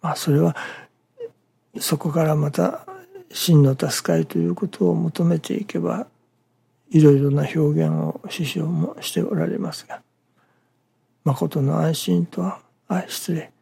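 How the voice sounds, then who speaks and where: A minister giving a morning sermon in a halting, measured way, breaking phrases with pauses and dropping some words to a near-whisper. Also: medium pitch, gravelly, mellow, husky.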